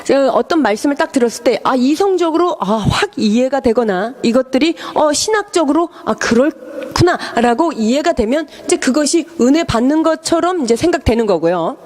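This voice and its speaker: High, lively woman interpreting a sermon. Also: normal speed. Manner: emphatic, explanatory preaching tone. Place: church.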